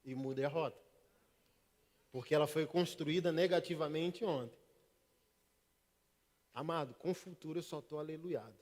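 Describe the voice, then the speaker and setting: A middle-aged man from Northeast Brazil preaching a sermon, telling stories and swinging between hushed and loud. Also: on the high side, normal speed, pauses often. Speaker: pastor. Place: church service. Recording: reverberant church hall.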